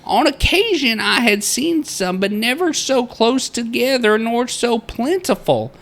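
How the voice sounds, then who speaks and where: Man putting on a high-pitched, pompous old-time prospector. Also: heavily acted. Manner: florid, theatrical, self-important. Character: pompous, wordy male prospector writing in his journal.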